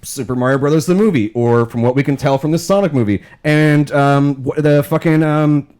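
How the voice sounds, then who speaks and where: A man's voice: a little high, a little fast, a little mellow. A man chatting casually and bluntly as a podcast panelist, swearing freely and giving strong opinions. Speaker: panelist on a video game podcast.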